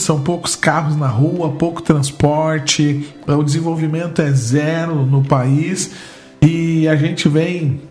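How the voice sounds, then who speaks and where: Brazilian man, higher voice, echoey room. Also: darkish tone. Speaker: host. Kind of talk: conversational religious interview. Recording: echoey room with music behind.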